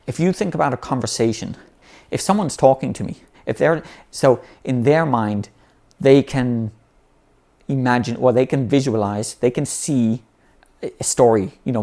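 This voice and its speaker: A man with a medium-pitched, slightly mellow voice explains, without a script, how to build vocabulary. English is his first language, and his relaxed delivery is full of restarted phrases and "you know."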